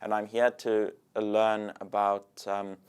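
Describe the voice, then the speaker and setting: Smooth-voiced young man. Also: fairly low pitch, level tone, measured pace, darkish tone. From South Africa. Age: young adult. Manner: thoughtful, choosing words with restarts. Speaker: exchange student. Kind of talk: interview answers.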